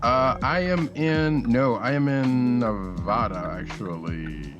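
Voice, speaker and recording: A man's voice: mid-range voice, slow pace, dull audio, music in the background. A man livestreaming a game in casual chat, rambling and thinking aloud as he plays. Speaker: livestreaming gamer, host.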